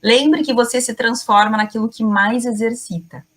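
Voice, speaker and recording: A middle-aged woman teaching an online class as a communication coach, speaking emphatically in short phrases with deliberate pauses and addressing her audience directly. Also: fairly high pitch, steady tone, a bit bright.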